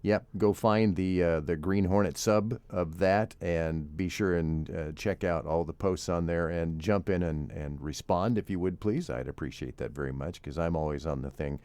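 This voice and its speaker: Man, podcast co-host, low resonant voice, dry close mic, easygoing. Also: normal speed, hardly any pauses, darkish tone, smooth, no room sound. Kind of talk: casual chat.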